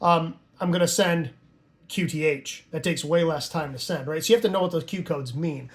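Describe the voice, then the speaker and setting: A man with a noticeably high voice teaches in an informal tutorial style. He talks conversationally, like a hobbyist explaining things to newcomers, and often adds short tags to make sure the listener is following. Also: normal speed. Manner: conversational, checks understanding with tags like "right?" and "okay?". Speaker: amateur radio hobbyist teaching Morse code.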